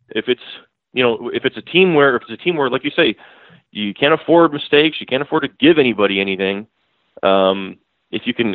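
Calling in by phone as a guest, a beat writer for the show breaks down a football game in casual, rambling sports analysis full of restarts and fillers. His voice is lowish, and the tinny phone line is dry, with no echo.

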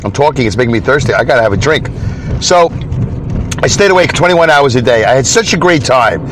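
A man with a Brooklyn accent talks casually as a podcast host, at a middle pitch. He rambles, doubles back and repeats himself, with clear noise like outdoor traffic or a vehicle behind him. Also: expressive, brisk. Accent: Brooklyn, New York. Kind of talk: casual solo podcast monologue.

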